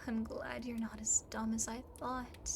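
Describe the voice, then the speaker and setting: A woman's voice: fairly high pitch, level tone, a little slow, gravelly, background noise. A woman voicing a lonely, possessive demon girl in an ASMR roleplay, often dropping into a whisper, coaxing and condescending as she speaks to the listener. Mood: smug, condescending. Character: lonely possessive demon girl, coolly teasing, faintly menacing.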